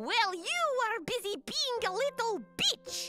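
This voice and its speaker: A woman's put-on character voice at an extremely high pitch and fairly slow pace, with clear music in the background. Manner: brash, pleading.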